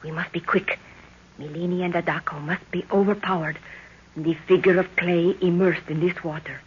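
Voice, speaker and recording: A woman's voice: lowish voice, fairly even intonation, normal speed, lightly acted. An actress playing a commanding tribal witch woman in a 1930s radio serial, speaking in formal, incantatory phrases. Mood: grave, urgent. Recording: muffled, noisy 1930s radio recording.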